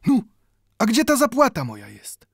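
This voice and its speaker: A man's voice: mid-range voice, very animated, a little slow, no room sound, studio quality, pitched above the performer's own voice. A man voicing an old Jewish bookbinder in an audiobook, speaking broken Polish full of "nu" and growing heated as he pleads. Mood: pleading. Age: older.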